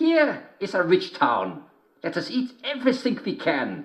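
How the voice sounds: A put-on character voice in a German accent sits at a fairly high pitch with very wide pitch swings. The delivery comes at a fairly slow pace.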